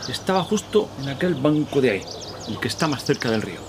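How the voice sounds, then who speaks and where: A man's voice: medium pitch, sing-song, fast, background noise, lightly acted. An actor playing an obliging city policeman on patrol in a snowy park in a radio drama. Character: chilly, helpful male city policeman on patrol.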